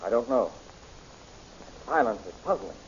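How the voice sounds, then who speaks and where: An actor playing a brave, protective young space hero, earnest and melodramatic, in a 1930s radio serial. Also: male voice, mid-range voice, lively intonation, measured pace, close to an everyday voice. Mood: tense. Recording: hissy, muffled 1930s radio recording.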